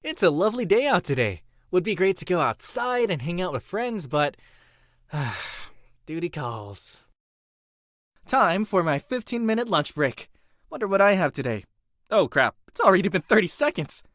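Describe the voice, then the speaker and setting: An earnest young workaholic blacksmith from an animated series , as a performer acts the part, with a very lively, swooping delivery. The voice is conversational and dutiful with an adventurous streak, recorded dry and close. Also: medium pitch, normal speed, dry recording. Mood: wistful, then upbeat, dutiful. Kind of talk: animated character voice reel monologue.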